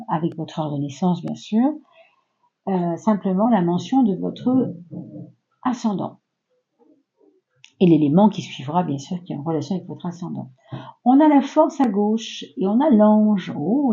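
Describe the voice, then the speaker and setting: A woman's voice: medium pitch, dark tone, highs cut off. A woman giving a casual, reassuring tarot reading to her viewers, talking loosely with many fillers. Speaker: tarot reader.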